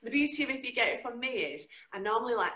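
Here the same Northern English guest poet, a middle-aged woman, speaks fast while performing and chatting over a video call from indoors at home. She is lively and theatrical, her pitch jumping abruptly, and the room carries an echo.

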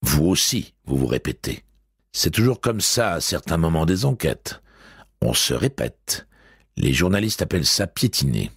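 A man's voice: a bass voice, very animated, moderate pace, gravelly, slightly rough, no room sound, studio quality, full character voice. A man voicing a mild, musing male police commissioner in an audiobook.

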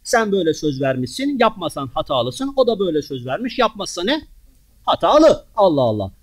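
A man giving a Friday sermon in a mosque, preaching in a lively way and throwing rhetorical questions at the congregation. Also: sits high, a little fast.

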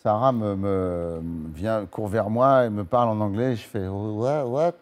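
A man in his forties, a guest on a TV interview, talking casually and haltingly as he restarts his phrases. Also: fairly low pitch. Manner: halting, restarts phrases, acts out little quotes. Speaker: talk show guest. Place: TV studio.

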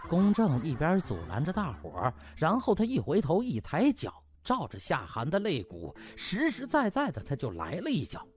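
A man's voice: a little high, wildly swooping pitch, normal speed, hardly any pauses. A man narrating a comic audiobook in a colloquial, theatrical way. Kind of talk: animated comic storytelling. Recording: music under the voice.

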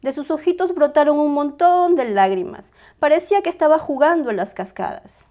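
A woman reading a picture book aloud as a storyteller, with expressive, dramatized narration for small children. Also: sits high, normal speed.

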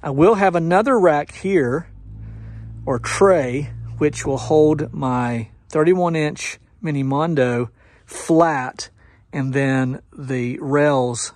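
A man's voice: a little high, takes it slowly, darkish tone, dry recording, studio quality. A middle-aged man, a pressure washing business owner, giving a casual, folksy walkthrough of his work trailer outdoors in a driveway, recorded on a body-worn camera. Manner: folksy, explanatory, with fillers. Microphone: action camera worn on the body.

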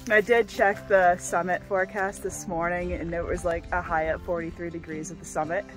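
A woman's voice: flat delivery, fairly quick, rough recording. Brief: chatty young woman hiker, arm's-length camera, open mountain air, faint music behind. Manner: chatty, talks to her dog in a high sing-song. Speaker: hiking vlogger. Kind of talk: casual vlog with voice-over narration. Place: outdoors on a windy mountain trail. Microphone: camera held at arm's length.

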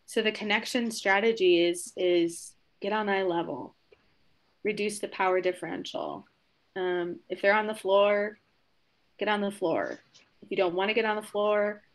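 Encouraging woman presenting a teacher webinar. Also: medium pitch. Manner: warm, encouraging, tag questions like "right?"; acts out short exchanges with children. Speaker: webinar presenter, trainer of educators. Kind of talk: conversational training webinar.

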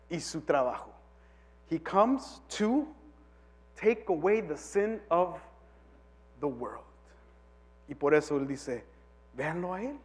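A male pastor preaching a sermon, moving from quiet talk to shouts and dropping English phrases into his Spanish. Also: fairly high pitch, long reverb tail.

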